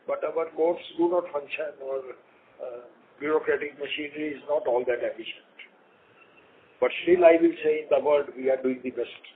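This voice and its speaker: A man with an Indian accent, a company executive answering questions on an earnings call in a halting, formal, long-winded way. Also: fairly high pitch, fairly even intonation. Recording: noisy, narrow phone conference line.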